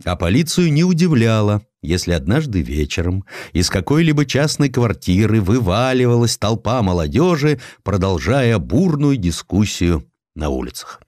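Low-voiced, expressive male audiobook narrator. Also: moderate pace, dry recording, clean studio sound. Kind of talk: expressive scripted literary narration.

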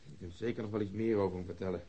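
An actor playing a persistent, sceptical homicide detective in a radio drama, questioning insistently in a husky voice. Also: male voice, low-pitched, fairly even intonation, racing, mellow, dull audio. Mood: probing, insistent.

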